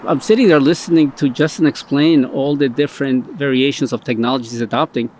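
A man's voice: medium pitch, fairly quick, darkish tone, a little hiss or hum. Earnest man from Colombia. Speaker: interviewee, company representative. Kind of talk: interview remarks.

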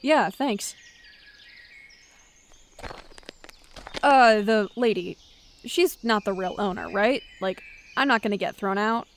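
A woman's voice: mid-range voice, measured pace, a little hiss or hum, close to an everyday voice. An actress playing an awkward, sarcastic scientist in an audio drama, rambling and hesitant as she talks and narrates. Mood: awkward, uneasy. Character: awkward, wry, sweary young woman scientist and cryptozoologist. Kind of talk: naturalistic audio drama acting with first-person narration.

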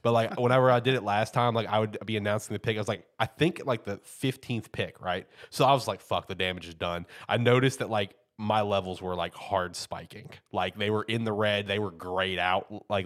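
A man with a fairly low voice hosts a casual sports podcast. He rambles in a loose, chatty way, full of fillers and quick laughs. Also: fairly even intonation. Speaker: podcast host.

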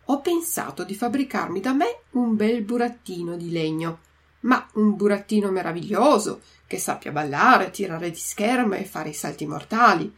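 A woman voicing a hot-tempered old male woodcarver who is quick to take offence and shout, in a storybook reading. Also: medium pitch, expressive. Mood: eager.

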